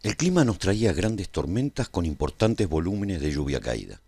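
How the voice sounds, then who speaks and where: An actor playing a tender, reflective survivor who narrates a post-apocalyptic radio serial in a measured, solemn way. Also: male voice, deep voice, very animated, dark tone, slightly rough, no echo, heavily acted. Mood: grave, reflective. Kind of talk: scripted first-person narration for a radio serial.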